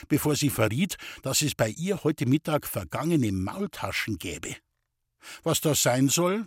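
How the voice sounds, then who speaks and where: A man from the Bavarian Forest reading aloud from his own childhood memoir in an even, unhurried storytelling manner. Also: mid-range voice, slightly rough, no echo, studio quality. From Bavarian Forest, Germany.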